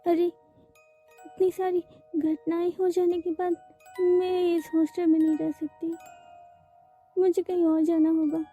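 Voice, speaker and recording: A frightened young woman, voiced by a woman, talks slowly and anxiously, stumbling over her words. Her voice is very high. Soft music plays behind her. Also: little pitch movement. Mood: worried. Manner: anxious, stammering.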